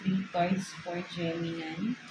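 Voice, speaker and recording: A woman's voice: on the low side, little pitch movement, slow pace. Echoey Filipino woman reading tarot. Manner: code-switching, frequent tag "no?". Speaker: tarot reader. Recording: echoey room with noise.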